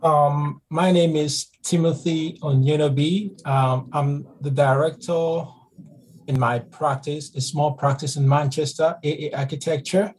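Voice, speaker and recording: A man from Nigeria, answering as an architect guest in a deliberate, careful way. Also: fairly high pitch, fairly even intonation, darkish tone, husky, poor audio. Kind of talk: interview answer.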